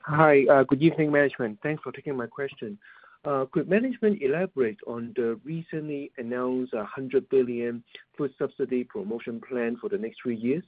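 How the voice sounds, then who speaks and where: Husky man on a thin phone line. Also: mid-range voice, brisk, no room sound. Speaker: financial analyst asking questions. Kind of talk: polite question on earnings call. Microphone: telephone call.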